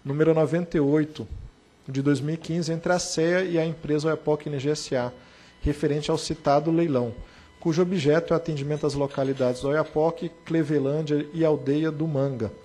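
A Brazilian man, a board director, reading a formal case report in a measured way, with brief spoken asides. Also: a little high, warm tone. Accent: Brazilian Portuguese.

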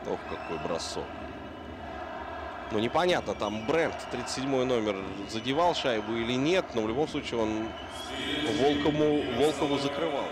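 A man calling ice hockey play-by-play as a partisan home-team commentator, moving between subdued and excited delivery. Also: mid-range voice, moderate pace. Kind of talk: live sports play-by-play commentary. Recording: loud arena noise behind the voice. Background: noisy hockey arena.

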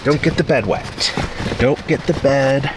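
Sitting in a parked car at night, a man in his thirties records a casual solo vlog on a nearby camera, speaking at a measured pace. He's glum, low-key, and self-mocking, and there's heavy background noise.

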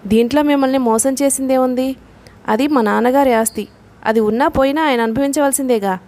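A woman reading a softly pleading young bride. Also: high voice, a little fast, lightly acted. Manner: soft, restrained pleading.

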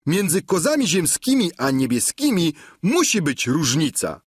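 A man's voice: wildly swooping pitch, measured pace, husky, dry recording, heavily acted. A man voicing a boastful, simple peasant squire who tells his tale in a raised, eager, emphatic voice, in a dry close recording. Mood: eager boasting. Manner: high, eager, emphatic telling.

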